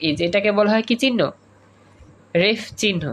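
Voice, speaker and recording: A man's voice: high-pitched, fairly quick, fairly bright tone, slight background noise. A male teacher, teaching an online class over a video call and drilling students with repeated questions and examples. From Bangladesh.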